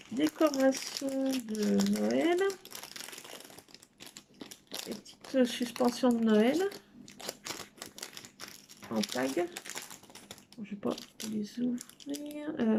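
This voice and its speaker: Against a noisy background, a middle-aged craft vlogger chats at home in a gravelly, slightly high voice. It's a casual show-and-tell of her haul, delivered hesitantly with lots of fillers.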